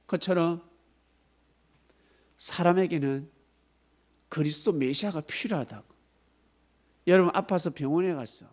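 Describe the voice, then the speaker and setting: A man's voice: a little high, measured pace, pauses often. A man preaching a sermon at a youth service, asking the students questions and calling on them by name. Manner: animated, acts out scolding voices, asks the listeners questions. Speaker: pastor.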